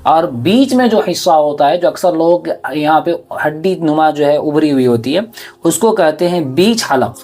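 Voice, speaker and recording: A man teaching Quran letter pronunciation, explaining where each sound is made and repeating every letter sound slowly several times. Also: fairly high pitch, lively intonation, a little mellow.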